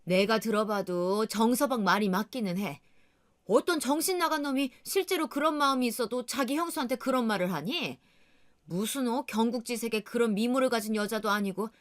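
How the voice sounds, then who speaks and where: A woman doing a sharp-tongued, indignant old mother. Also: fairly high pitch, moderate pace, close to an everyday voice.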